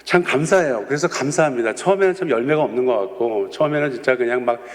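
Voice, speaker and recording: A man's voice: mid-range voice, fast. A male youth pastor giving a conversational sermon, telling stories with frequent affirming asides. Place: church sanctuary. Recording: long church-hall reverb.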